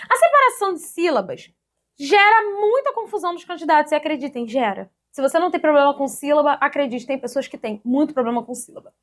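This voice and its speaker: A Brazilian woman teaching an online grammar lesson in a lively, chatty way, often checking in with her students. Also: high voice. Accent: Brazilian Portuguese. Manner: lively, chatty, addresses students as "gente", ends points with "tá?".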